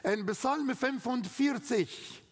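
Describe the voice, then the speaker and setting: A male preacher with an Arabic accent delivers a sermon in careful, emphatic, slightly broken phrasing. His voice sits high for a man and moves at an unhurried, deliberate pace. The sound carries a long reverb from a large hall. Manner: slow, emphatic, broken German with non-native grammar. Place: church hall.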